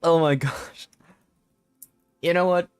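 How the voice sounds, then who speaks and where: A young man streaming a video game, chatting casually with his viewers, often laughing and getting loudly excited. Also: fairly high pitch, slow pace, clear, resonant tone, no room sound, soft background music. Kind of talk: casual gaming livestream chat. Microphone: desk mic with limiter filter.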